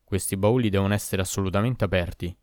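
A man voicing a stern, commanding caliph who gives slow orders, in a storybook reading. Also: sits low, a little mellow, dry recording, studio quality, natural voice. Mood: insistent.

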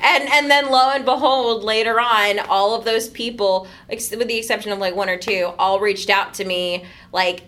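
A woman's voice: mid-range voice, steady tone, normal speed, few pauses, fairly bright tone. A woman in her thirties, a voice actor guest, chatting casually in an interview, laughing often and joking at her own expense. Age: 30s. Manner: laughs often, self-mocking sarcasm.

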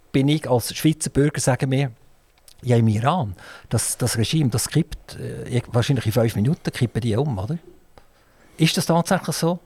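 A man's voice: medium pitch, gravelly, a little mellow, husky, no room sound. Swiss German male radio host, dry studio mic, chatty and rambling. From Switzerland. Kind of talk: radio interview.

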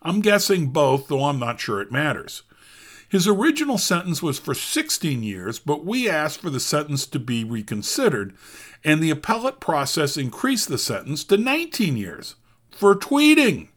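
A man's voice: on the high side, sing-song, normal speed. A middle-aged man reading scripted opinion commentary, quoting sources aloud and adding wry asides. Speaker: commentary host.

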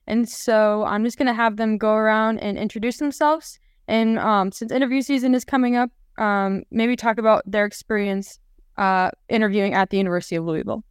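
A woman's voice: medium pitch, steady tone, fairly quick, smooth, no room sound, studio quality. A woman moderating an interview and welcoming the guests in an upbeat way. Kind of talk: casual moderating.

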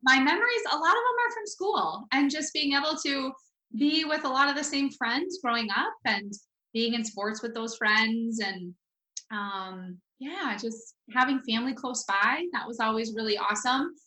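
A woman's voice: fairly high pitch, normal speed, pushed and bright, echoey room, low-quality recording. A woman from Michigan's Upper Peninsula, a podcast guest, speaking cheerfully and laughing between phrases. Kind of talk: casual interview.

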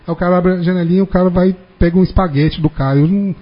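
A man, telling a long anecdote fast and animatedly in casual podcast chat. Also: high-pitched, steady tone. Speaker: podcast guest. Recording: dull, reverberant room recording.

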